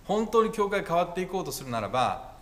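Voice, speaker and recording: A man's voice: high voice, sing-song, fast, a bit bright. A male pastor preaching a conversational sermon with wry asides and self-corrections.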